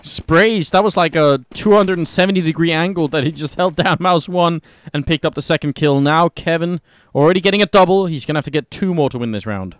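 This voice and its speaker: A man commentating a live esports match, brisk play-by-play that lifts in energy during the action, on a headset mic. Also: a little high, no room sound.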